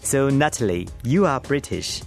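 A man from China with a Chinese accent, co-hosting an English lesson and speaking slow, careful English. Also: mid-range voice, lively intonation, creaky, faint music behind. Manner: translates and asks questions, slow careful English. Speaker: co-host of English learning programme. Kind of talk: bilingual scripted presenting.

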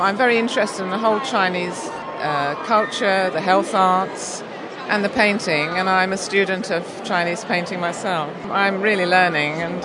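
A woman's voice: lowish voice, heavy background noise. A woman interviewed at an event, speaking earnestly and thoughtfully. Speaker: festival visitor, painting student. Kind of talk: street vox pop. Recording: crowd and music behind.

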